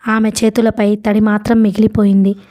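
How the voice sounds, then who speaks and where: A woman's voice: little pitch movement, a little fast, mellow. A woman narrating a novel aloud, raising her voice a little for the characters' lines. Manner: voices dialogue with raised pitch.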